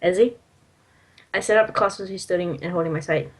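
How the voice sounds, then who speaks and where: A woman's voice: lowish voice, fast. A woman casually reading amateur fan fiction aloud, giggly and teasing with joking asides. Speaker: story reader.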